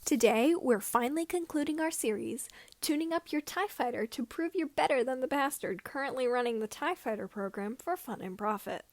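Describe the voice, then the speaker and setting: A woman's voice: high voice, moderate pace, no echo. A woman voicing an earnest, cheeky young male pilot in a fan fiction reading. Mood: chirpy. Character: earnest, bewildered farm boy turned cheeky young pilot.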